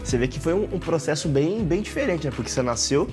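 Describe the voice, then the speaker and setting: A man, a pastor, hosting a youth gospel TV talk show, enthusiastic and quick to exclaim. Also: a little high, animated, music in the background. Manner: enthusiastic, exclaims and laughs often.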